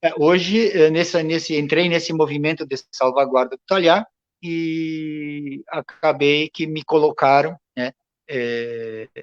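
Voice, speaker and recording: A man's voice: on the high side, steady tone, slow pace. Man, interview guest, hesitant, lots of fillers, muffled lo-fi audio. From southern Brazil. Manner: hesitant, many fillers and restarts. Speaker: guest, writer and cultural association president. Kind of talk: casual interview.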